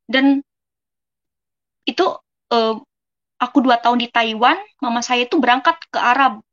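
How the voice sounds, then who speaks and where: A woman's voice: fairly high pitch, unhurried, a bit bright, lo-fi sound. A young woman from West Java giving a casual personal testimony, earnestly talking to her listeners as friends. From West Java, Indonesia. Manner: earnest, keeps addressing listeners as friends, acts out dialogue. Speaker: testimony speaker.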